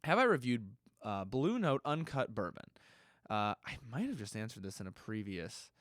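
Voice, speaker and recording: A man's voice: on the low side, sing-song, normal speed, dry recording, clean studio sound. A man hosting a podcast who is stuffy, answering listener questions in a casual, rambling way with many fillers and restarts. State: stuffy nose. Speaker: podcast host.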